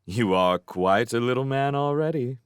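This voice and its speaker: A man's voice: mid-range voice, expressive, normal speed, smooth, no echo, clean studio sound, pitched above the performer's own voice, lightly acted. A man reading aloud, voicing a poised young woman who speaks sweetly and teases with a sly, condescending edge. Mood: mock admiring.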